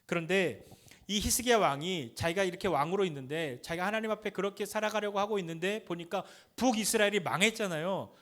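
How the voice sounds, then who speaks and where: A man delivers a Sunday sermon in an easy, conversational way, often asking his listeners questions. His voice sits a little higher than most men's, and he slips into a blunt, mocking tone when he acts out a quote. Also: quick pace, a bit bright. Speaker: pastor.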